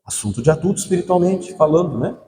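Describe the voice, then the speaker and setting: A man's voice: high-pitched, lively intonation, quick pace, background noise. A young man from Brazil preaching a sermon as pastor, calling out questions for the congregation to answer. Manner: call-and-response preaching, asking the congregation to fill in words. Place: church hall. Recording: echoey hall.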